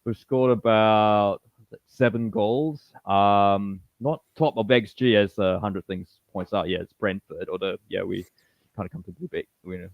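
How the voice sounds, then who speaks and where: Low-voiced Malaysian-born man, rambling chat. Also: moderate pace, vocal fry, dry recording, dull audio. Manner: rambling, animated, many you-knows and restarts. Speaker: podcast host. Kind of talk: casual interview chat.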